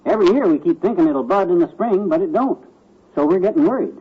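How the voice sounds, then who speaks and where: An actor playing a folksy, blustery middle-aged husband in an old radio comedy. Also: male voice, high-pitched, animated, fast, breathy edge, phone-quality sound. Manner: folksy, slangy. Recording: noisy old radio transcription.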